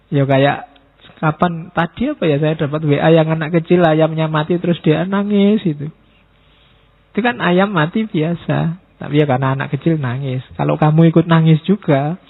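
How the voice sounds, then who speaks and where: A man giving a casual, teasing philosophy lecture to students at a mosque. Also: a little high. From Indonesia. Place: mosque hall. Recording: tinny phone-like sound.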